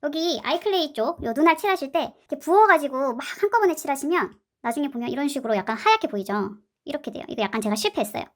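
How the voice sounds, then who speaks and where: A slime and clay craft channel host speaks fast and expressively in a high voice while narrating a casual tutorial. Her chatter is playful, sprinkled with cute sound words as she works.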